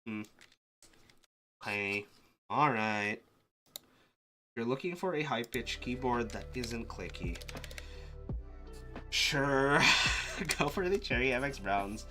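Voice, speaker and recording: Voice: medium pitch, sharp tone. A live streamer casually thinking aloud, muttering to themself with restarts and sudden exclamations. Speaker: live streamer testing keyboards.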